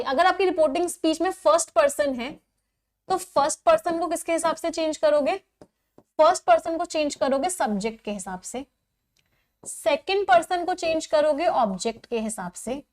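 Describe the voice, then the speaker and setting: A woman teaching an English grammar class, explaining step by step, repeating key points and checking whether the students follow. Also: high-pitched.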